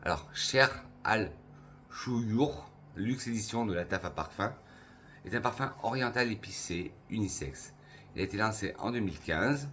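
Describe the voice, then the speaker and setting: Deep-voiced Frenchman reviewing perfumes. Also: lively intonation, bright, forceful tone, slight background noise. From France. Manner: enthusiastic, savoring, lists notes slowly with pauses. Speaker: perfume youtuber.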